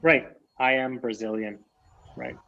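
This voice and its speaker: A man's voice: mid-range voice, big pitch swings, unhurried, pushed and bright, dull audio. A Canadian man teaching an English lesson online, patiently repeating key phrases for his students.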